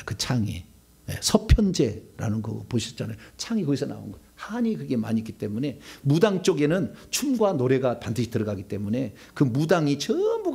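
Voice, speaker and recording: A male pastor preaching a sermon, swinging between loud outbursts and hushed asides. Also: medium pitch, husky.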